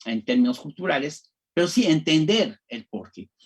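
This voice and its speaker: A fairly high male voice at a moderate pace, with very wide pitch swings and a dry, close sound with no echo. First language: Arabic and French (speaking Spanish). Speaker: professor. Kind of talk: interview.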